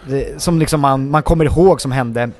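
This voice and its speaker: Man, actor guest, casual interview, rambling, animated storytelling, lots of filler words. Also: mid-range voice.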